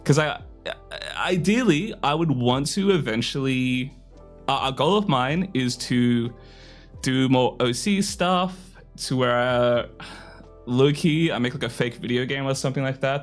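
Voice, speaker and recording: Slightly hoarse young man streaming. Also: mid-range voice, lively intonation, normal speed, faint music behind. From Australia. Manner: rambling and self-deprecating, full of fillers. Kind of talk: casual live-stream chat.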